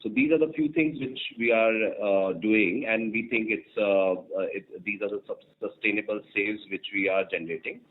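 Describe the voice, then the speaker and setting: Low-voiced halting finance executive man. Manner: halting, heavy fillers like uh and you know. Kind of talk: earnings call answer. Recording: phone-line audio.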